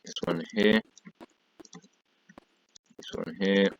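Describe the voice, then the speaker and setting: A man's voice: sits low, fairly even intonation, extremely slow, vocal fry, dull audio, slight background noise. A man with a tired, fading voice, casually talking through a block-building tutorial while he works, counting and pointing things out over and over. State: tired, losing his voice. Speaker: gaming tutorial creator.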